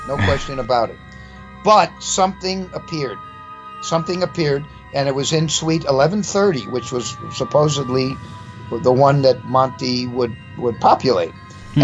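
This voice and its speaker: An older man from New York telling a casual, rambling anecdote, stammering and repeating words as he goes. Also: a little high. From New York, USA. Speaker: interview guest telling a personal ghost story. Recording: dull lo-fi sound with faint music. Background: faint music.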